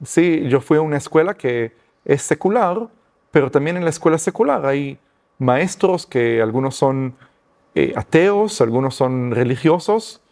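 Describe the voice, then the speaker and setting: Hombre israelí, español titubeante. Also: male voice, on the high side, expressive, measured pace, darkish tone. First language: Hebrew. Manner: hesitant, many fillers and restarts, searching for Spanish words. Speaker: guest giving testimony. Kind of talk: personal testimony interview.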